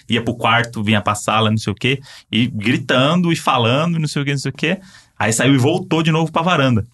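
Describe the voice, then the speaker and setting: A man with a Brazilian accent telling a story in casual chat, animated and full of fillers. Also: medium pitch. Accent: Brazilian Portuguese.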